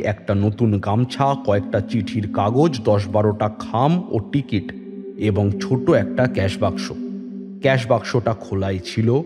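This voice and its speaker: A man narrating a detective story in the first person and voicing the police inspector with a measured, authoritative manner. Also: lowish voice. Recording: long reverb with music bed.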